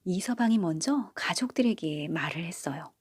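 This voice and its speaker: A woman reading a bedtime folk tale in a gentle, motherly storytelling manner. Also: fairly low pitch, expressive, normal speed, breathy edge, dry recording, clean studio sound. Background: faint background music.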